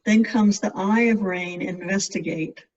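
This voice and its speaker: A meditation guide with a mid-pitched voice leads a practice in gentle, measured phrases with space between them. The recording is muffled and sounds as if the mic is some way off. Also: fairly even intonation. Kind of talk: guided meditation, scripted instruction. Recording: distant mic, dull lo-fi sound.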